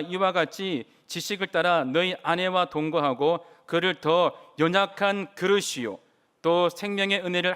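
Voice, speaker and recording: Male preacher with a high, clear voice, giving an earnest sermon in a church sanctuary. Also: fairly bright tone. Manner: earnest preaching, asks the congregation questions. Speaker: pastor.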